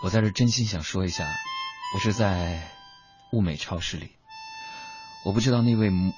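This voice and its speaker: On a radio show, a young man tells comic stories about his family, playfully acting out their voices in a monologue. He speaks low-pitched at a moderate pace. The recording is dull and lo-fi, with music.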